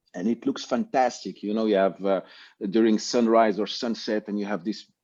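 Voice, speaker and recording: Speaking with a French accent, a man has a dark, mellow tone and fairly low pitch. He keeps a moderate pace and fairly even intonation over a quiet background. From Morocco. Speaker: film director. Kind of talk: interview.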